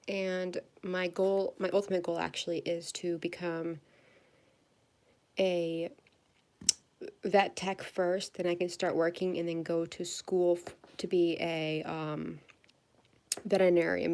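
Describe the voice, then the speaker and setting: A woman's voice: on the low side, a little mellow. A nineteen-year-old woman vlogging at her desk, rambling casually with little laughs and fillers while she crafts. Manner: chatty, giggly, rambling with many fillers. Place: indoors at a desk.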